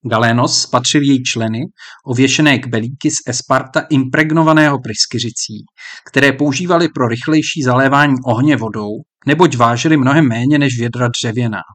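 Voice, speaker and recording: A man reading a historical novel aloud as an audiobook narrator, measured and even, lifting his voice a little for the characters' lines. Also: mid-range voice.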